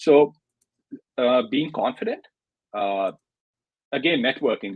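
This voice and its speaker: A man speaks with a Pakistani accent. The recording sounds dry and close, with no echo. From Pakistan, Lahore. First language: Urdu. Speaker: former immigration client. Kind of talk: interview. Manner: halting, many restarts.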